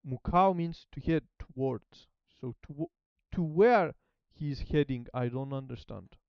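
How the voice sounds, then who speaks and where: Gravelly-voiced man learning Japanese, muffled. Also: medium pitch, animated, unhurried, dry recording. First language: not Japanese. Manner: hesitant, repeats phrases while translating. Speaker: language learner. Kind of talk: casual study vlog, thinking aloud.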